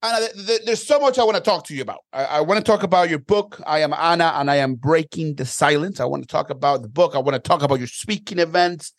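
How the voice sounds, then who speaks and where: A man's voice: on the high side, quick pace, few pauses, no room sound. Enthusiastic male podcast host, dry sound. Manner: energetic, repeats words when starting sentences. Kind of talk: enthusiastic interview hosting.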